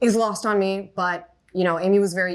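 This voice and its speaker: On a very clean recording with a silent background, a woman talks with fairly even intonation. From US Northeast, suburban Philadelphia. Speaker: musical theater performer. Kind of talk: testimony. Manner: halting.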